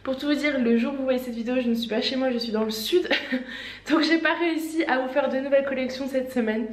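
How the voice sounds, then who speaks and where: A chatty woman with a slight cold, talking through outfits in a relaxed, rambling way full of little fillers. Her voice sits a touch high and sounds a bit roomy, like it was recorded in an echoey room. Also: fast. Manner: chatty, many fillers and restarts, light laughs. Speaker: online clothing shop owner. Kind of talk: casual fashion try-on vlog.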